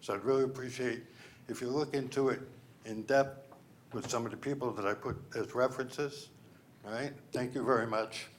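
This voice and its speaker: A man's voice: mid-range voice, fairly even intonation, normal speed. Polite man at public comment, faint noise. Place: board meeting room.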